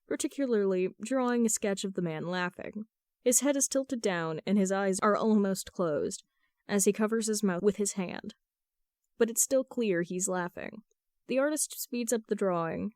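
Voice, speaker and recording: A woman's voice: mid-range voice, darkish tone, dry recording, clean studio sound. A woman reading a story aloud as scripted narration, in the style of an amateur audiobook. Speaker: fan fiction reader.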